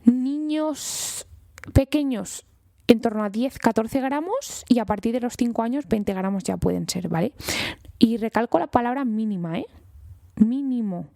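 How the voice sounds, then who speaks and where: A woman's voice: fairly high pitch, normal speed, creaky, mellow, no room sound, studio quality. A woman with a Spain Spanish accent, a doctor hosting a health podcast, explaining things in an enthusiastic, chatty way and talking straight to her listeners. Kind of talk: informal educational podcast talk.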